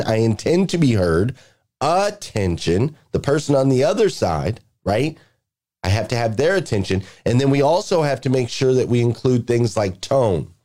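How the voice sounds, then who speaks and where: A middle-aged man giving a motivational talk on leadership, speaking energetically with emphatic repetition and lively storytelling. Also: medium pitch. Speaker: podcast guest speaker, leadership coach.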